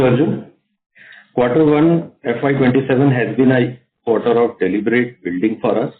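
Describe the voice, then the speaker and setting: A man with an Indian accent formally and methodically presenting financial results as a company executive. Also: mid-range voice. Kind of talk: scripted investor presentation. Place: conference call. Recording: roomy, narrow phone conference line.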